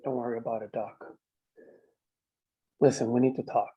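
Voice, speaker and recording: A man playing a calm, persistent small-town mayor in a screenplay table read, measured and probing. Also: mid-range voice, slightly rough, highs cut off, lightly acted. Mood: gently concerned.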